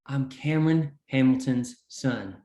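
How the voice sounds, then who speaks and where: A man's voice: medium pitch, measured pace, mellow, reverberant, lightly acted. A man acting a beaten, jailed man who pleads insistently, in a table read of a period Western drama. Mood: urgent.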